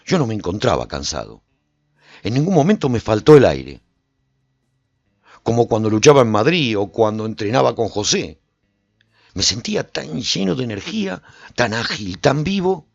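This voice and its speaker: An animated, proud lone-warrior narrator. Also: male voice, medium pitch, moderate pace, creaky, long pauses, no room sound, highs cut off. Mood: reflective. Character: lone warrior man recounting his post-apocalyptic adventures, proud and vivid. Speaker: narrator and lead actor of a radio serial. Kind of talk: dramatic first-person radio storytelling.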